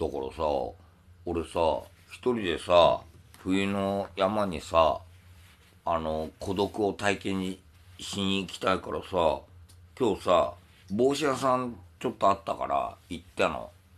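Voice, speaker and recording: A man's fairly low voice at a very slow pace, broken by long, frequent pauses. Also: ordinary pitch variation. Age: old. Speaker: live streamer. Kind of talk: livestream chat. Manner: rough casual. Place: home room. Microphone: studio mic.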